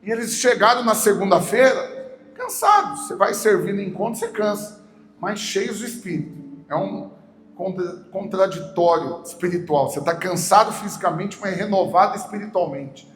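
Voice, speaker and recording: A high-pitched Brazilian man with a Goiás accent preaches in a big church hall, his voice ringing with a long reverb. He tells the story with animated acted dialogue, dropping to a hush and then rising loud, with faint noise underneath. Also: normal speed. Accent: Goiás Brazilian Portuguese. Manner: animated storyteller acting out quoted dialogue, swinging between hushed and loud. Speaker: pastor. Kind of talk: sermon storytelling.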